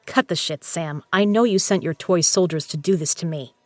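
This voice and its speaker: A woman's voice: fairly low pitch, moderate pace, no room sound, close to an everyday voice. Woman acting a tough, wry gambler, dry close sound. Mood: cold, defiant. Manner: dry, sardonic, blunt. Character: tough, wry female poker legend, blunt and guarded. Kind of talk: audio drama acting.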